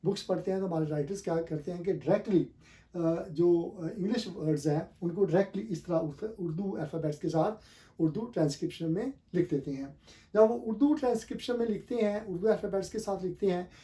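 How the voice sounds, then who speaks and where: A man's voice: sits high, fairly quick, dark tone. A man with an Urdu-speaking South Asian accent teaching English pronunciation in a classroom style, repeating and stressing the correct forms and spelling words out letter by letter.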